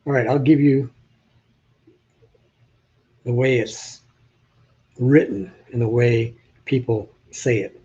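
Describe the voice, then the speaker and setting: An older man from New Hampshire with a slight Southern drawl chats with his live-stream viewers and jokes with them. His voice is dark and a little husky. The sound is dull and slightly lo-fi. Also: mid-range voice, takes it slowly, pauses often. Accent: Southern US with New England traces. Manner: chatty, joking, talks to viewers in chat. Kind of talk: casual live-stream chat showing old photos.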